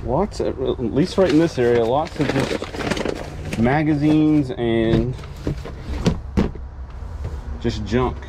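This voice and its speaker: A man's voice: medium pitch, takes it slowly, pauses often. A man casually narrating as he sorts through boxes inside a storage container, thinking aloud in an easygoing way, recorded on a body-worn camera. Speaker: storage auction reseller. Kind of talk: casual unboxing commentary. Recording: noisy handheld outdoor recording.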